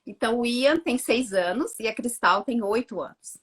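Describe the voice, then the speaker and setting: A woman in her thirties, a mother telling her story on a casual live chat, acting out her own words with lively energy. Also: fairly high pitch, normal speed, husky. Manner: animated storytelling, acts out her own quotes. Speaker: guest, mother of two.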